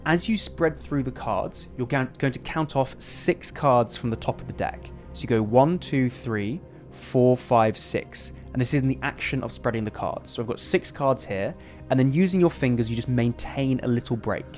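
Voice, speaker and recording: A man's voice: medium pitch, moderate pace, faint music behind. A man presenting a casual step-by-step card magic tutorial in instructive, conversational magician patter.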